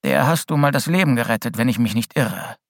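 A man voicing a gruff, bitter old male school headmaster and former policeman who growls his words curtly. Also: medium pitch, expressive, brisk, no echo, studio quality, lightly acted. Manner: growling, curt.

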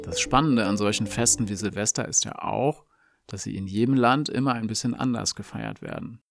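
A man presenting a language lesson, explaining in a calm, clear scripted dialogue. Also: fairly low pitch, a little fast, faint music behind.

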